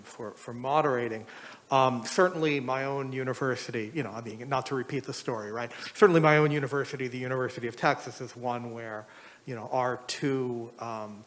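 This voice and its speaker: Brief: middle-aged man, academic discussant, halting delivery with frequent ums and restarts. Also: mid-range voice, a bit bright. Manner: hesitant, many fillers and restarts. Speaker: discussant, professor. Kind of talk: academic panel remarks.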